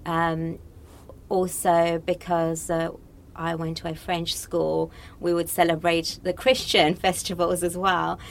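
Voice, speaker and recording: Woman guest with a lowish voice. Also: level tone, takes it slowly, creaky, a little hiss or hum. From Morocco. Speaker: interview guest. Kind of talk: casual reflective conversation.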